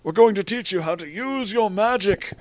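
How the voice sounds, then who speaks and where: A man voicing an excitable, kindly old wizard headmaster for a comic story reading, in a theatrical, declaiming manner. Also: high-pitched, no room sound, voice pushed up, natural voice. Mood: hearty, grave. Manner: theatrical, declaiming, drawn-out exclamations.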